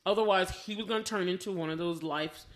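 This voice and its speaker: An American woman co-hosting a podcast, chatting casually about a film in an animated storytelling way and acting out reactions as she goes. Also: lowish voice, fast talker. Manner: animated storytelling, acts out reactions in quoted asides. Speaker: podcast co-host. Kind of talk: casual film review chat.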